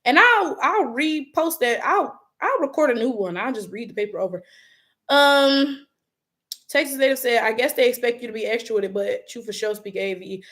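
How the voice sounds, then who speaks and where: A woman's voice: on the high side, moderate pace, a bit bright. A woman with a Detroit accent chatting casually on a livestream, reading viewer comments aloud, loose and slangy, laughing often. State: voice cracking. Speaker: YouTuber reading live chat comments.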